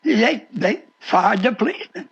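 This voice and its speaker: High, fiery preacher man on shortwave. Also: big pitch swings, a little slow, breathy edge. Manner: fiery, sing-song preaching with sudden swoops and repeats. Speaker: radio preacher. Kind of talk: shortwave radio sermon. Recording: muffled shortwave radio broadcast.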